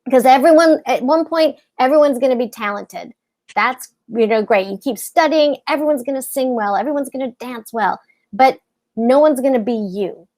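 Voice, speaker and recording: Squeaky-voiced woman giving advice. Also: normal speed, darkish tone. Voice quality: squeaky high voice. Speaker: guest actress. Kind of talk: casual advice on a video call.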